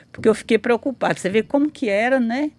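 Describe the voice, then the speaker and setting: A woman's voice: a little high, normal speed, a little mellow, no echo. A woman in her sixties telling her life story in a casual interview, rambling with many restarts and tag questions. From Brazil. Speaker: interview guest, memoirist.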